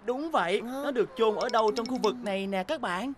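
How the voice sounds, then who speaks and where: A woman's voice: fairly high pitch, fairly quick, slight background noise, lightly acted. A woman voicing a young boyish bus in a children's cartoon, eager and easily indignant, over music. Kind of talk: dubbed children's cartoon acting. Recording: music behind the dialogue.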